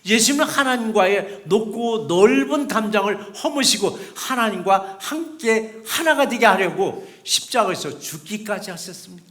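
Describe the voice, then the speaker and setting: A man's voice: high-pitched, expressive, normal speed, few pauses, a bit bright. A middle-aged male pastor preaching a sermon, emphatic and repetitive, acting out short quoted voices.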